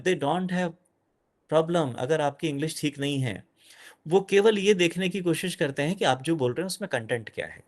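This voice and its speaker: A middle-aged man giving an animated lecture to an audience as a guest speaker, dropping in English phrases. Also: on the high side.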